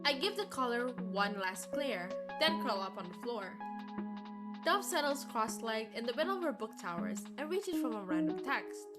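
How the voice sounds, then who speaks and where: A woman's voice: on the high side, big pitch swings, normal speed. A woman game streamer reading visual novel narration aloud and commenting casually. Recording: music behind the voice. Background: game music.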